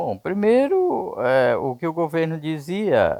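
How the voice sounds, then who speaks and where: The man's fairly high voice makes very wide pitch swings at a fairly slow pace, recorded with a dry, close sound and no echo. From Maranhão, Brazil. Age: 60s. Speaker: interviewee, settler. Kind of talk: oral history interview. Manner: halting.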